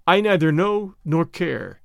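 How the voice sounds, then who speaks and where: A man's voice: on the high side, animated, slow, vocal fry, a bit bright, no echo, clean studio sound, exaggerated voice. A man voicing a bold, protective young man with a firm, challenging and somewhat bitter manner in an audiobook. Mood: defiant. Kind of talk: audiobook character acting.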